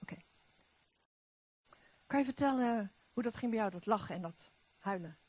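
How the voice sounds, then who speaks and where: A middle-aged woman preaching a lively charismatic sermon, exclamatory and repeating her phrases. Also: on the high side, normal speed, breathy edge, dry recording. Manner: animated, exclamatory, repetitive phrasing.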